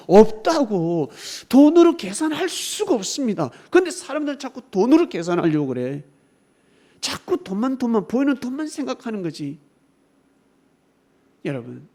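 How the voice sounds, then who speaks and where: Emphatic preaching man, lively pitch. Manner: emphatic preaching, swinging between loud exclamations and softer asides; asks the congregation rhetorical questions. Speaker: pastor. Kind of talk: sermon.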